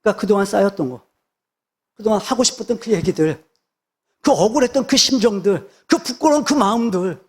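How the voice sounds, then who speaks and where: A man's voice: high-pitched, expressive, a little fast, husky. A man, a pastor, preaching a sermon with emphatic repetition of phrases. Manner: emphatic, repeats phrases for stress.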